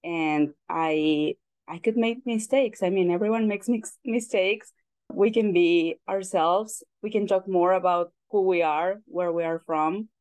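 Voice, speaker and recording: Lowish-pitched woman with a Mexican accent. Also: unhurried, darkish tone. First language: Spanish. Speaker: panelist. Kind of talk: sharing a personal story.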